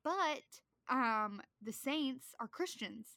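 Bright, high-voiced woman co-hosting a podcast. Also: lively intonation, takes it slowly, gravelly, no room sound, clean studio sound. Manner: laughs easily, playful. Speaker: podcast co-host. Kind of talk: casual Bible study chat.

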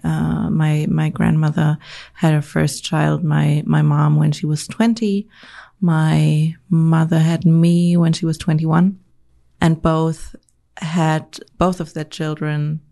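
Woman from germany, interview guest, gravelly yet smooth, flat delivery, studio podcast. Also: low-pitched, slow pace. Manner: thoughtful, with frequent fillers and restarts. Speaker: guest, media company CEO. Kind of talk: reflective interview conversation.

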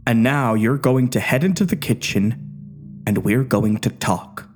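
A man's voice: medium pitch, animated, a little slow, a little mellow, faint music behind, natural voice. A man voicing an unhinged obsessive doctor. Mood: menacing.

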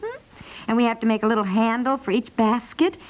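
A woman's voice: on the high side, animated, brisk, natural voice. A woman playing an eager, coaxing, fussy mother in a naturalistic 1950s radio comedy. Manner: coaxing, chatty, fussing. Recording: muffled 1950s radio recording.

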